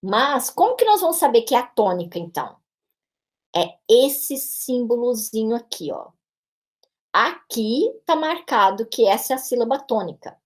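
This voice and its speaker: A woman's voice: on the high side, very animated, normal speed. Female teacher, São Paulo interior accent, explanatory lesson delivery with frequent check-in tags. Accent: São Paulo interior Brazilian Portuguese. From Brazil. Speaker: English teacher. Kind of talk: pronunciation lesson narration.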